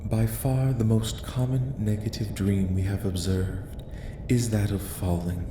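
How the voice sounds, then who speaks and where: A man voicing a calm, curious, clinical alien researcher in a soft-spoken ASMR roleplay, with measured, formal, detached questioning. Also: on the low side, lightly acted. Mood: detached curiosity. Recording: roomy echo, light background noise.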